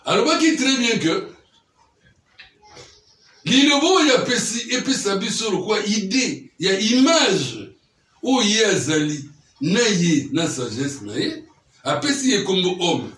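A man's voice: sits high, big pitch swings, a little slow, fairly bright tone. A man preaching a teaching sermon, often checking that his listeners follow him with questions. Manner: keeps quizzing listeners with questions. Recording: echoey room, mic far off.

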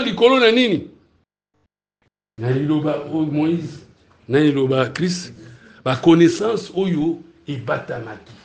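In a spacious, echoing hall, a high-voiced preacher with a Congolese French accent gives an animated teaching sermon. Between points he laughs, and he repeatedly puts questions to the congregation, checking that everyone understands.

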